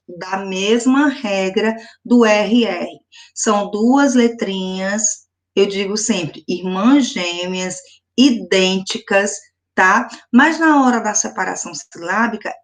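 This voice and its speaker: Slow patient woman teacher. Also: mid-range voice. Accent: Brazilian Portuguese. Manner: slow, patient, spells out syllables for young children. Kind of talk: recorded classroom video lesson.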